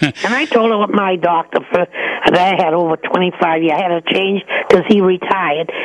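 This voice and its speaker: Moderate pace and ordinary pitch variation from a woman at medium pitch, with noticeable background noise. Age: 90s. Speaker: caller. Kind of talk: call-in conversation.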